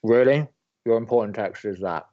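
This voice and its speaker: A man's voice: on the low side, moderate pace, dry recording, highs cut off, lightly acted. A man playing an exasperated young college radio DJ, bantering with dry sarcasm and a defensive edge. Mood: dry, grumbling. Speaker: radio host.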